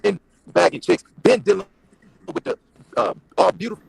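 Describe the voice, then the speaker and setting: A man's voice: high-pitched, moderate pace, vocal fry, crowd noise. A man calling into a heated debate over a choppy, robotic bad call connection, insistently pressing to finish his point. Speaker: call-in panel guest.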